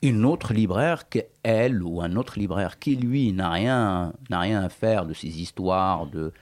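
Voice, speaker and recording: Hesitant low-voiced man, a writer. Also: a little slow, darkish tone. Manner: hesitant, thoughtful, many restarts. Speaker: writer, guest. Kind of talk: radio interview discussion.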